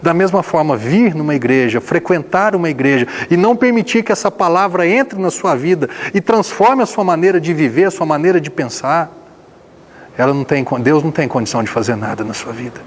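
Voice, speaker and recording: A man preaching a sermon as pastor, firing rhetorical questions and swinging between loud emphasis and hushed passages. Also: a little high, lively intonation, fairly quick.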